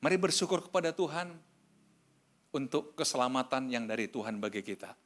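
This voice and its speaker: Bright-voiced preacher man, emphatic. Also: mid-range voice, animated, brisk. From Indonesia. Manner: swings from loud, emphatic preaching to quiet, tearful confession. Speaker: pastor. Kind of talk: sermon. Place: church hall.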